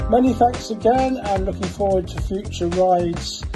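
A man talks fairly slowly while clear music plays behind him. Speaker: e-bike rider. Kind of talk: casual talk to camera. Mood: grateful, cheerful. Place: home room. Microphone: phone near.

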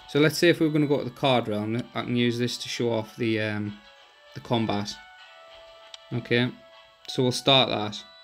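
The speaker talks at a moderate pace with ordinary pitch variation and long, frequent pauses. Music plays in the background. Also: man, medium pitch for a man. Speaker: mobile game reviewer. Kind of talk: casual game review talk. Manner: hesitant, many filler words.

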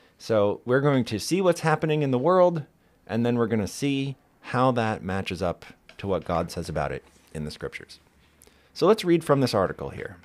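This man's delivery is fairly quick. The pitch of his voice rises and falls very widely. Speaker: podcast host. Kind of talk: podcast commentary. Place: home room. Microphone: studio mic.

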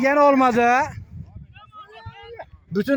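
Extremely high male voice with an Afyonkarahisar accent, ordinary pitch variation and a moderate pace. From Afyonkarahisar, Turkey. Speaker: villager filming a match. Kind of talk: amateur football commentary. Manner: lively, animated.

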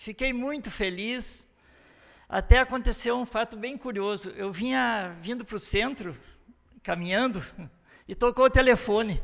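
A man with a Rio Grande do Sul accent talks at a fairly slow pace, with long, frequent pauses and big swings in loudness. His high pitch varies by an ordinary amount, and the background is quiet. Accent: southern Brazilian Portuguese (gaúcho). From Brazil, Rio Grande do Sul. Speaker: retired teacher and poet; retired teacher, poet. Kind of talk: acceptance speech. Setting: council chamber with audience. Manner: halting. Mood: happy, moved, grateful. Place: hall. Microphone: podium.

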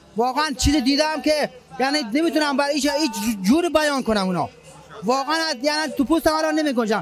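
Talking at a very fast pace, a man with an extremely high pitch shows ordinary pitch variation, his voice dry with no echo over light background noise. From Afghanistan, Farah province. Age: 40s. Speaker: pilgrim, volunteer cook; interviewee. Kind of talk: emotional vox-pop interview. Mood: emotional, grateful. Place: street. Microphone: handheld.

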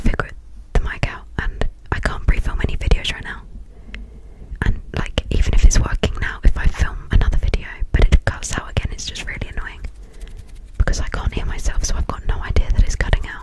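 Loud background noise surrounds a woman whose voice sounds dry with no echo. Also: fairly quick pace. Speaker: ASMR creator. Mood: hopeful, slightly anxious. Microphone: studio mic.

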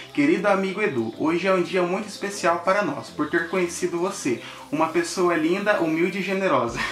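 There is light background noise and audible room echo. A man talks at a moderate pace. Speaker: cooking channel host. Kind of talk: casual vlog chat. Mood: cheerful, amused, laughing. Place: home room. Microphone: camera far.

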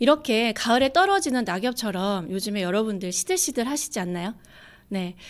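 A woman talks at a fairly quick pace with a fairly high pitch and lively intonation. The background is quiet. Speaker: presenter of a health product lecture and meeting host. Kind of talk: business presentation lecture. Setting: online video broadcast. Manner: clear, polished, announcer-like. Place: studio. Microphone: studio mic.

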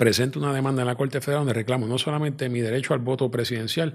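The man speaks very fast. His pitch shifts in an ordinary way. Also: quiet background. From Puerto Rico (Carolina); Puerto Rico. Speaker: lawyer and mayoral candidate; lawyer, candidate. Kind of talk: interview. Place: studio. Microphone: studio mic.

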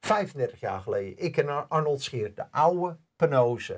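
A somewhat breathy man at a moderate pace, his pitch swinging very widely. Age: 60s. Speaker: documentary filmmaker; guest. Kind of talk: interview. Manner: halting, many hesitations; animated. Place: studio.

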